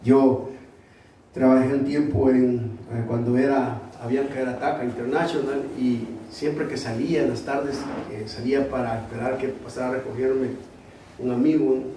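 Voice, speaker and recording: A man's voice: fairly even intonation, moderate pace, mellow, slight background noise. A man from El Salvador, preaching a sermon as pastor and telling stories with quoted dialogue. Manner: storytelling preacher, acts out quoted dialogue, rises in pitch when exhorting. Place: church. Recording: echoey church hall, heard from a distance.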